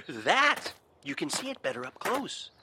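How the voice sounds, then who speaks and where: A young man plays an eager, flustered assistant in a radio play, his voice leaping wildly up and down. He talks slowly and stumbles over his words, with a faint hiss behind. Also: high-pitched, huge pitch swings, full character voice. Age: young adult. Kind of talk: audio drama acting.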